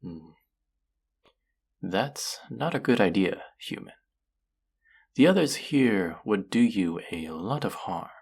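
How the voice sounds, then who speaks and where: Casting: performer for a covetous alien art collector in sci-fi audio drama. Deep, husky, patronizing, falsely tender toward a prisoner, often near a whisper. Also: lively intonation, darkish tone, exaggerated voice. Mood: coaxing, possessive. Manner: condescending, cooing, slow and savoring, often dropping to whispers. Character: cruel, covetous alien collector-artist feigning kindness to a captive. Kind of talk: dramatic second-person audio roleplay monologue.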